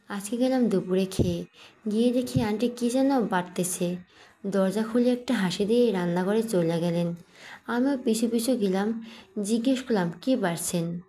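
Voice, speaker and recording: A young woman narrating a first-person audio story in a playful, lively way and voicing every character herself. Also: medium pitch.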